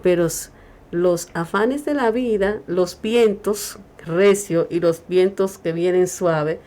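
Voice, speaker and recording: A woman's voice: fairly low pitch, takes it slowly, warm tone. A woman co-hosting a Christian radio talk show, preaching emphatically and raising her voice when she quotes scripture.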